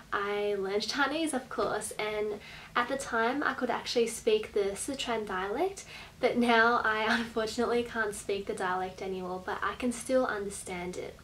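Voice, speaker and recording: A young woman from Australia with an Australian accent, chatting to camera in a small bedroom in a friendly way with soft laughs. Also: medium pitch, a little hiss or hum, rough recording. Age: young adult. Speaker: vlogger. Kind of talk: casual talk to camera. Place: small bright bedroom, indoors. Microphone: camera at desk distance.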